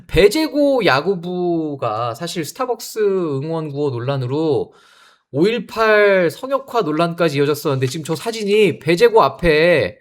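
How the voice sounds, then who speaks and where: Lively, high-voiced male talk show host. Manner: lively, teasing, quick interjections. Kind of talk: political talk show moderation.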